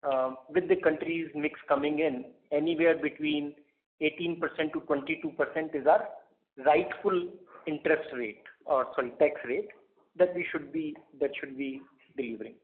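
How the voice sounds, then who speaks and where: A man, a finance executive, giving unscripted earnings call answers in a halting, piece by piece way. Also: on the high side. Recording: narrow phone conference line.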